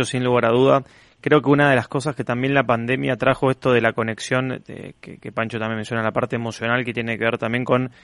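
A man with a middle-pitched voice answers as a podcast guest. He speaks in a measured, reflective way. The recording is dry and close. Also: a bit bright, dry recording. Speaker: founder, guest. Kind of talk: conversational podcast interview.

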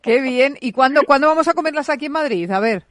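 A woman's voice: high voice, animated, fast, no room sound. A woman hosting a radio interview, friendly, with brief acknowledgments. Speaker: radio host.

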